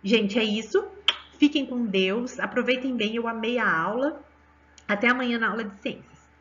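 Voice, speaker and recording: Brazilian woman, 30s, primary teacher, bright and encouraging, slightly high voice, muffled home recording. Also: moderate pace. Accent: Brazilian Portuguese. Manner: cheerful, coaxing, speaks to children with diminutives. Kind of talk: remote math lesson for children.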